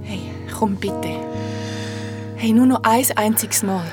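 A woman's voice: medium pitch, normal speed, close to an everyday voice. An actress playing a lost young woman who pleads and pushes urgently. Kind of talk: audio drama acting. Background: music.

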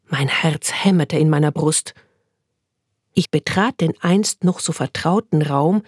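A woman reading a short story aloud in a calm, measured way. Her voice sits on the low side and is a little husky, recorded close and dry. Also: dry recording. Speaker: story reader.

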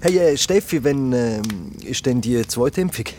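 A man's voice: mid-range voice, lively intonation, unhurried, a little mellow, slight background noise. A man with a Swiss German accent chatting casually with wry, teasing remarks. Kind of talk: casual chat. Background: music.

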